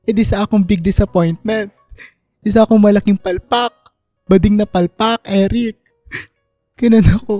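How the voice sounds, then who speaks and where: A woman's voice: medium pitch, steady tone, moderate pace, pauses often, mellow, no room sound, studio quality, soft background music, lightly acted. A woman playing an insecure young gay student in an emotional, hesitant radio drama performance. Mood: anguished, self-pitying. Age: young adult. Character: tipsy, insecure young gay student, self-doubting and giggly.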